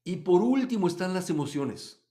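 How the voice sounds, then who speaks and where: A man from Mexico, teaching a live Bible study and answering chat comments, swinging between loud emphasis and quiet asides. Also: high voice, very animated, moderate pace.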